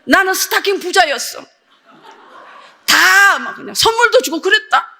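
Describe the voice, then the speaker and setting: A middle-aged woman missionary giving a lively testimony sermon to a church audience, acting out her past self as she tells the story. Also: very high-pitched, moderate pace, vocal fry. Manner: animated storytelling, acts out her own past voice. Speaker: missionary preacher. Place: church service with audience laughing.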